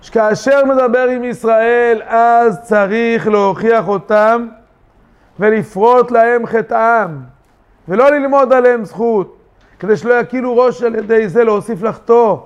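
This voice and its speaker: A man, a rabbi, teaching a weekly yeshiva Torah lesson, lively with rhetorical questions and acted-out quotes. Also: extremely high pitch, clean tone. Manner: animated, rhetorical questions, acts out quoted voices. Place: yeshiva study hall. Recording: dull lo-fi recording.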